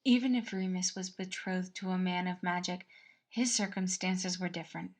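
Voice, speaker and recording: A woman reading a scripted story aloud as narrator, expressive and measured. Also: on the low side. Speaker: fan-fiction podfic reader.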